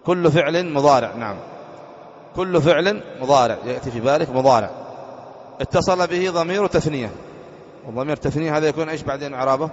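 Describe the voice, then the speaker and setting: A man's voice: on the high side, long reverb tail, dull audio. A man teaching an Arabic grammar lesson as a sheikh, reading a text aloud and quizzing his students with questions. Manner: reads a text aloud slowly, then explains it.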